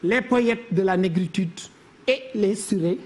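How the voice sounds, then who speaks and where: A woman teacher giving a televised literature lesson, counting syllables slowly and deliberately. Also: medium pitch, a little mellow, a little hiss or hum.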